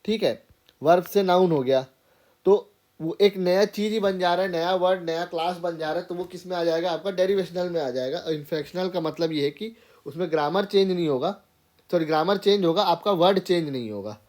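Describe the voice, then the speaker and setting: The teacher's voice is high and darkish, and he talks fairly quickly. Leading a casual grammar lesson, he explains each step in turn and checks in with the class again and again with "theek hai".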